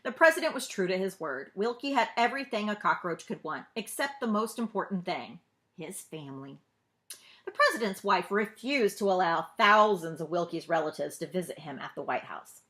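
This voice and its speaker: A woman reading a storybook aloud to children as a librarian, with expressive narration. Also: on the low side, moderate pace.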